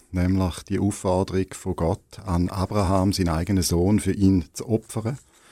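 With a St. Gallen accent, a man speaks fairly slowly in a fairly low pitch with a dark, mellow tone and ordinary pitch variation, on a very clean recording with a silent background. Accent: St. Gallen Swiss German dialect. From eastern Switzerland, St. Gallen. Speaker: religious studies lecturer and theologian. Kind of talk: radio interview. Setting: radio studio.

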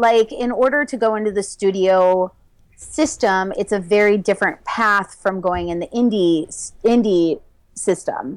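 With an American accent, a woman speaks at a fairly slow pace in an unremarkable speaking voice, her medium pitch showing ordinary variation. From Minnesota, small rural town. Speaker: actress and film producer. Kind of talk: interview.

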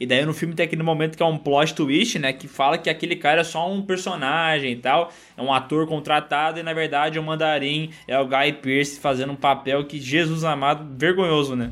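In a very clean recording with a silent background, a man with a normal speaking voice talks at a fairly high pitch with fairly even intonation. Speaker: film podcast co-host. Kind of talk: casual chat.

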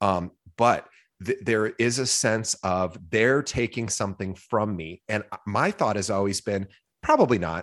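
In a normal speaking voice, a man talks at a fairly slow pace with fairly low pitch and fairly even intonation. The background is quiet, and the sound is dry and close with no echo. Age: 40s. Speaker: podcast host. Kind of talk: interview conversation.

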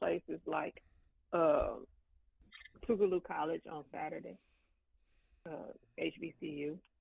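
A woman is speaking. She has an American accent. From US South. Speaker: event organizer. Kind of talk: radio interview. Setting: phone call.

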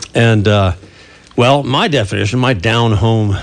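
Over noticeable background noise, a man with an American accent speaks at a fairly slow pace in a fairly low pitch. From Northern Virginia, US. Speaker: radio co-host. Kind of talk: radio interview. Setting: studio.

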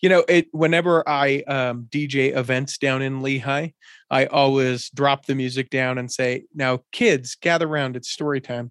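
Here is a man with an ordinary speaking voice, fairly high in pitch, at a moderate pace. The sound is dry and close, with no echo. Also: fairly even intonation. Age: 40s. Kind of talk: casual chat.

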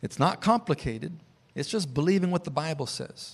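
A man with an American accent speaks at a moderate pace in a somewhat breathy voice with very wide pitch swings. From Oregon, US Pacific Northwest. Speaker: missionary preacher. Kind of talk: sermon.

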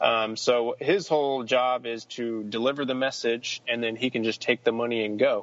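Talking at a moderate pace with hardly any pauses, a man keeps a medium pitch and fairly even intonation. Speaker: podcast host. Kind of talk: casual podcast chat.

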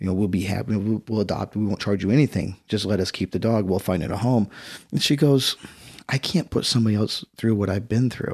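Someone talks at a very fast pace with ordinary pitch variation against a quiet background. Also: man, fairly low pitch for a man. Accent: American. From United States. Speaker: dog trainer. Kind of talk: casual chat. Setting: studio.

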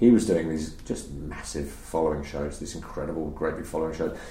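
The voice has lively intonation, with noticeable background noise behind it. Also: man. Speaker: street performer. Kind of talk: interview, storytelling. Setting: hotel room, in person.

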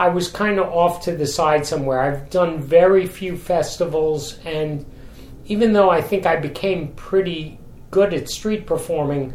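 A man with a New York accent talks at a moderate pace in a high pitch, keeping his intonation fairly even. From New York City (Manhattan). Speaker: street performer, magician and comedian. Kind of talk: casual interview. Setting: at home.

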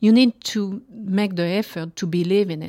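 A woman with a French accent speaks at a moderate pace and medium pitch with ordinary pitch variation, the sound dry and close with no echo on a very clean recording with a silent background. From France, near Lyon. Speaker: teacher and guest on healing. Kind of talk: casual interview chat. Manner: halting, searching for words.

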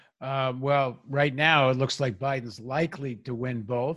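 An ordinary speaking voice from a man, medium in pitch, fairly slow and fairly even in intonation, over a quiet background. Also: hardly any pauses. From Canada. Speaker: podcast host. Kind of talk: political interview.

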